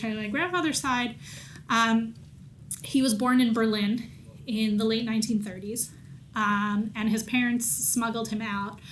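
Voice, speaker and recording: Audible room echo surrounds a woman with an American accent, a fairly high pitch and a bright, sharp tone. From United States. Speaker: journalist. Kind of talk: lecture Q&A. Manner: hesitant, many fillers.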